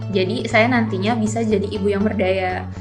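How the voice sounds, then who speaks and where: An upbeat woman in her twenties talks conversationally about being a working mother. Clear background music runs beneath her voice. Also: mid-range voice, fairly even intonation, moderate pace. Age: 20s. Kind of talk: interview testimonial.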